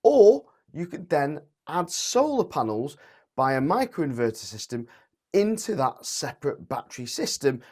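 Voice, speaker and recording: A man, hosting a chatty explainer vlog and speaking straight to his viewers, his voice croaky and hoarse. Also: mid-range voice, darkish tone. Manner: chatty, addresses viewers directly. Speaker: channel host.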